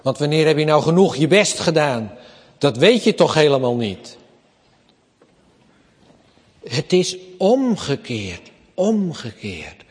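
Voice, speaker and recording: A man preaching a sermon as pastor, slow and emphatic, often rising to raised, forceful passages. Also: fairly high pitch, sing-song, husky. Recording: long church reverb.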